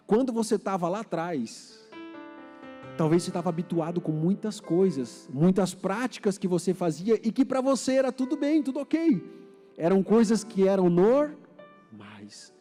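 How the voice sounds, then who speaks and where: A man from Paraná preaching a sermon with a Paraná accent, chatty and anecdotal, quizzing the congregation and building to forceful exhortation. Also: high-pitched. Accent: Paraná Brazilian Portuguese, rolled R. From Paraná, Brazil. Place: church hall. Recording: reverberant church hall with faint music.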